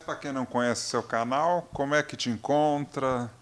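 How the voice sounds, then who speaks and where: A man hosting an interview who asks direct, quick follow-up questions. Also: mid-range voice. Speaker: interviewer and host.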